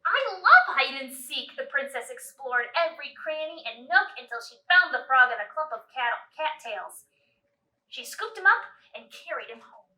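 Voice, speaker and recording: A woman reading a storybook aloud to young children in an expressive, deliberate way, as a storytime reader. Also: high voice. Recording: roomy echo, distant mic.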